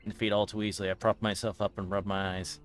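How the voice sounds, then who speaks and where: Guy with a lowish voice doing a casual game stream, reads stuff out loud, trips on words a bit. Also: little pitch movement, quick pace, soft background music. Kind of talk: casual livestream chat and reading a visual novel aloud.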